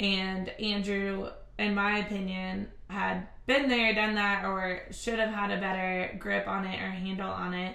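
The speech moves at a fairly slow pace with monotone, flat intonation. Noticeable background noise sits behind it. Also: woman, medium pitch for a woman. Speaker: podcast co-host. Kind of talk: casual chat. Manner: talkative, leads conversation.

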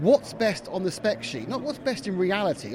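Amid noticeable background noise, a high-pitched man talks at a fairly quick pace with a southeast English accent and very wide pitch swings. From Kent, England. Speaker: motoring co-host. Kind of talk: casual walkaround chat. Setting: exhibition hall at car show.

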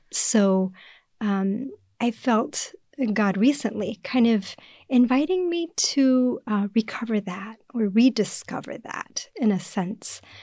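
A woman with an American accent speaks at a very slow pace, fairly high in pitch, somewhat breathy. Her tone is dark and mellow, her intonation lively. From Mexico City, then California border and Texas. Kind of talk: casual chat.

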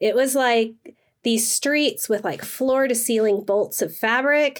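A woman's plain, everyday voice in an American accent, moderately paced, with ordinary pitch variation. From South Texas. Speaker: quilter and social work student. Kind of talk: casual interview chat.

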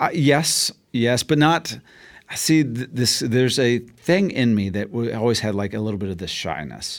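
In a plain, everyday voice, a man talks at a moderate pace and medium pitch with lively intonation, on a very clean recording with a silent background. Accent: American. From southwest Missouri, then Indianapolis. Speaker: stand-up comedian. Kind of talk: casual interview chat.

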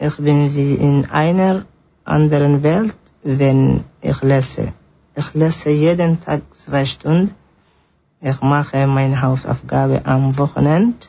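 Somewhat breathy and fairly high in pitch, a man talks at a very slow pace with ordinary pitch variation. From Eritrea. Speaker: refugee language learner. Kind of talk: scripted personal account.

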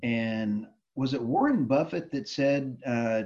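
A voice with a Texan accent and a dark, mellow tone speaks at a very slow pace. The background is quiet. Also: man. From Texas. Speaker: interviewer, oil and gas media director. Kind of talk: interview.

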